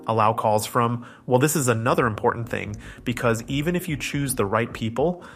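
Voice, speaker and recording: A man's voice: medium pitch, a bit bright. Man narrating a step-by-step tech tutorial. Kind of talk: scripted explanatory narration.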